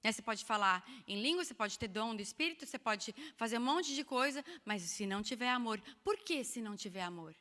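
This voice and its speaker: A woman preaching an expressive, animated sermon at a women's church meeting, with humorous asides to the audience. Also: fairly high pitch, brisk, hardly any pauses, long reverb tail. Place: church hall.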